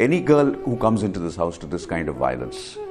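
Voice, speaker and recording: Music is in the background. A man talks at a moderate pace over it. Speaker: theatre actor, voice-over artist. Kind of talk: unscripted campaign statement to camera. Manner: passionate.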